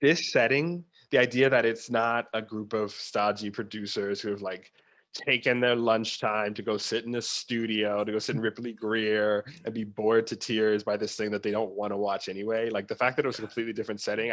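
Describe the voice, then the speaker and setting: Male theatre producer as podcast guest, lower voice, conversational, anecdotal with quoted asides. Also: brisk, fairly bright tone. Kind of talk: casual conversational interview.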